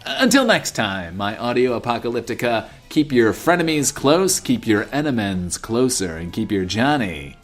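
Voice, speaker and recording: A man's voice: medium pitch, very animated, moderate pace, few pauses, soft background music. Cheesy, flirty post-apocalyptic radio host man. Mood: showy, flirty. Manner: showy patter, refers to himself in third person, flirty. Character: cheesy, lonely, self-styled stud radio host in post-apocalyptic wasteland. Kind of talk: comedic audio drama radio DJ monologue.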